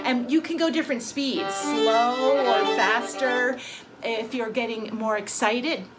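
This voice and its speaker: A woman teaching violin sound effects in a gentle, patient, step-by-step way, and telling a story along with it, with violin playing between her phrases. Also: fairly high pitch, takes it slowly, over loud music. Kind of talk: children's music lesson with storytelling.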